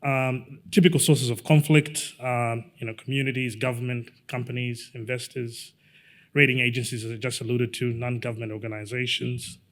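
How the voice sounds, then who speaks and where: A middle-aged man from Zambia giving a measured, halting conference presentation as a lawyer, with frequent fillers. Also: medium pitch, level tone.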